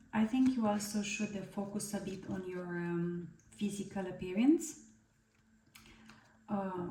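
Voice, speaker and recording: Somewhat breathy and dark, mellow in tone, a woman with a non-native accent speaks at medium pitch and a fairly slow pace amid audible room echo. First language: not English. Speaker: tarot reader. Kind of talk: spiritual guidance reading. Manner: halting.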